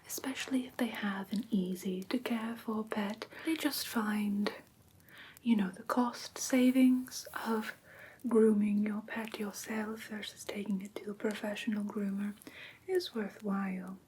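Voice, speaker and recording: Woman whispering as a slow, gentle vampire teacher. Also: mid-range voice, steady tone. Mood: gentle, instructive. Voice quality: breathy whisper. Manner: gentle, unhurried, patient instruction. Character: gentle female vampire teacher of human pet care. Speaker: host of a roleplay class, as instructor. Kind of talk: whispered ASMR roleplay lesson.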